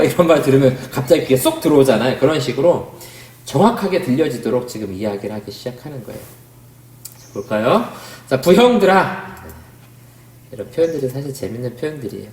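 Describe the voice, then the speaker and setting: A man's voice: mid-range voice, darkish tone. A man, a pastor, giving a Bible study lecture in a conversational way, often asking the class questions. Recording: roomy, echoey room sound.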